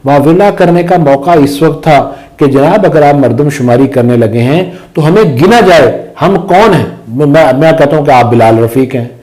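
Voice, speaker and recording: Emphatic higher-voiced man, Pahari speaker. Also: normal speed, few pauses, mellow, low-quality recording. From Azad Kashmir. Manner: emphatic, rhetorical questions. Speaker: guest commentator. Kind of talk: political discussion.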